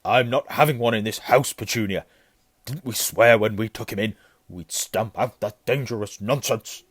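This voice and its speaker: A man's voice: lowish voice, slow pace, no room sound, studio quality. A man voicing a blustering, bullying middle-aged uncle who barks, sneers and stammers when rattled, in a storybook reading. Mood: agitated, muttering.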